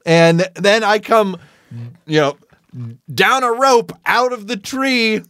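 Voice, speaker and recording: A man's voice: high-pitched, slow, a bit bright, smooth, dry recording, clean studio sound. A man co-hosting a podcast, telling a story in a casual chat, laughing often and acting out other people's lines. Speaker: podcast co-host.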